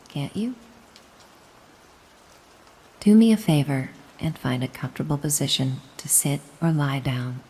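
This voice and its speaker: A woman playing a gentle, doting, mysterious caretaker in a soothing hypnosis roleplay, coaxing and reassuring the listener. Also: sits low, slightly rough, heavily acted. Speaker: hypnosis audio performer.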